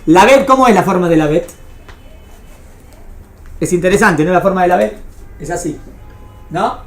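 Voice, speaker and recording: On the low side and animated, at normal speed, a woman with an Argentine Spanish accent delivers an interactive religion lecture to a small class. She teaches didactically, repeating phrases and asking frequent questions to confirm understanding.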